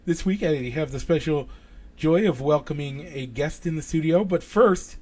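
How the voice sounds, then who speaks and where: A man hosting a casual sports podcast, upbeat and energetic, his voice a little raspy from allergies. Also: a little high, normal speed. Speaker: podcast host.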